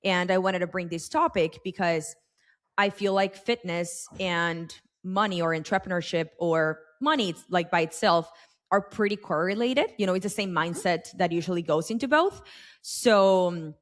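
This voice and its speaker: A woman's voice: on the low side, moderate pace. Chatty woman host, lots of fillers. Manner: rambling, heavy use of fillers. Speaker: podcast host. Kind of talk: casual interview chat.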